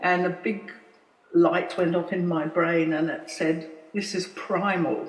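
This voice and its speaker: A woman speaks at a fairly slow pace with a fairly low pitch and ordinary pitch variation. Noticeable background noise and audible room echo surround her voice. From Australia. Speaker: voice teacher. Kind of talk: lecture. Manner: halting.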